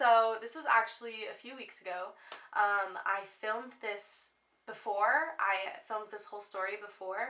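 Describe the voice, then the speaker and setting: An American accent comes through at a fairly slow pace. Audible room echo surrounds the voice. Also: woman. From Michigan. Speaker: restaurant server, vlogger. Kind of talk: storytime vlog. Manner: casual, many fillers.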